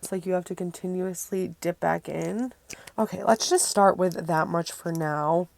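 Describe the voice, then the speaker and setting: A woman's voice: lowish voice, fairly even intonation, moderate pace, gravelly, darkish tone. A woman beauty vlogger chatting casually to viewers through a product review, her voice worn from being sick.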